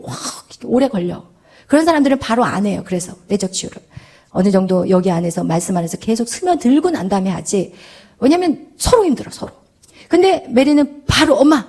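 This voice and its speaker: A middle-aged woman pastor giving a sermon in Korean, telling a story and acting out the quoted prayers. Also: high-pitched. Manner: animated, acts out quoted prayers in a child's voice.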